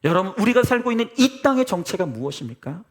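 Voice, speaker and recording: Animated, high-voiced male preacher. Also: quick pace. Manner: earnest preaching with rhetorical questions to the congregation. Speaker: pastor. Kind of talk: Sunday sermon. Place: church service.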